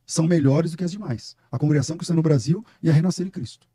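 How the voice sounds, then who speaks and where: A man's voice: fairly high pitch, rapid-fire, dark tone, slightly rough, no echo, clean studio sound. A middle-aged Brazilian man, a pastor, talking emphatically and telling stories in a casual podcast conversation. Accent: Brazilian Portuguese. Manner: emphatic, storytelling, preacher-like. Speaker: guest pastor.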